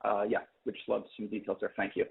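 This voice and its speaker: Male analyst, lowish voice, phone line. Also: completely flat delivery, quick pace, vocal fry. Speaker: financial analyst asking questions. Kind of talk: polite questioning on an earnings call. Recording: tinny phone-line caller.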